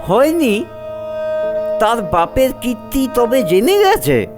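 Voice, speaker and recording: A man's voice: very high-pitched, wildly swooping pitch, takes it slowly, full character voice. A man playing a wronged, upright elderly head of a household in a dramatised story, speaking solemnly and with emotion. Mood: shocked questioning. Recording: music behind the voice.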